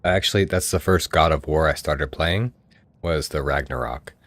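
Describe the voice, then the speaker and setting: Very deep-voiced American man streaming. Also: moderate pace, fairly bright tone, dry recording. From United States. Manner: chatty, swears freely, talks to viewers. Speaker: game streamer. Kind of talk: casual gameplay commentary.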